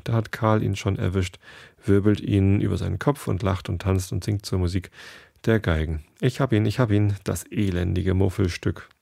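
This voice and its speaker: Low, gravelly male story reader. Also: mellow, no room sound, studio quality. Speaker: podcast host reading a story. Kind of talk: calm scripted story reading.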